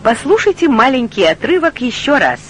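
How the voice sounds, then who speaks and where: A woman hosts a scripted radio language lesson, giving clear, measured instructions. Her intonation is lively and full of movement, and soft music plays faintly beneath her. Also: high-pitched.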